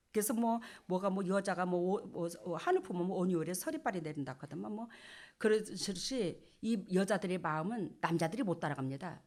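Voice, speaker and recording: A middle-aged woman pastor, preaching a folksy sermon and acting out scenes. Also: medium pitch. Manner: folksy, animated, acts out couples' quarrels with laughter.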